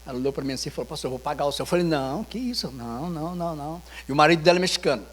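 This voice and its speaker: A man's voice: on the high side, very fast. Man, Brazilian Portuguese accent, pastor, informal sermon, acts out conversations, long church reverb. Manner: storytelling, animated, acts out dialogue. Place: church sanctuary.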